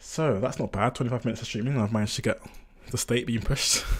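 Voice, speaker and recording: Somewhat breathy, a man speaks at a fairly quick pace with a medium pitch. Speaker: programmer live-streaming game development. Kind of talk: live coding stream. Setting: live stream.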